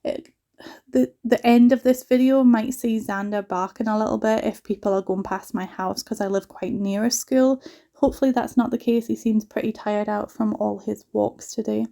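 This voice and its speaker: A woman from northeast England with a soft mixed Geordie and Scottish accent, chatting casually through a home vlog voiceover with lots of "like" asides. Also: medium pitch, fairly even intonation, normal speed, gravelly. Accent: soft mix of Geordie and Scottish. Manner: chatty, rambling, frequent "like" asides. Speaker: home vlogger and mother.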